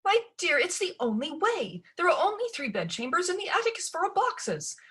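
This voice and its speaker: A woman's voice: very high voice, big pitch swings, brisk, bright, forceful tone, pitched above the performer's own voice, heavily acted. A woman voicing a fretful middle-aged stepmother who babbles and pleads anxiously. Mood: pleading.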